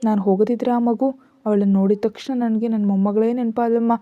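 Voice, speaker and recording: A woman's voice: fairly high pitch, steady tone, fairly quick, no echo, narrow, tinny audio, lightly acted. A woman voicing a loving, frail older mother-in-law in a storybook reading, with a motherly manner. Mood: tender.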